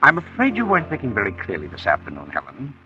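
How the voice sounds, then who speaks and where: A sly, lively blackmailer. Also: male voice, fairly low pitch, fast talker. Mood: menacing. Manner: sly, mocking, falsely polite. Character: smooth-talking blackmailer, adult man. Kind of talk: 1940s radio acting. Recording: dull lo-fi old radio recording, music underneath.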